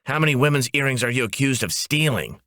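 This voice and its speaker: A wisecracking female office boss as voiced by a man, bright and forceful. The delivery is breezy and emphatic, with pitch leaping around in comic audiobook style. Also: animated, quick pace, dry recording, studio quality. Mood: matter-of-fact.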